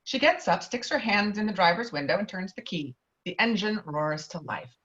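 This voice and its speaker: Muffled lo-fi call audio, woman, medium pitch, stage-direction narrator, amateur table read. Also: lively intonation, normal speed, a bit bright. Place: remote video call.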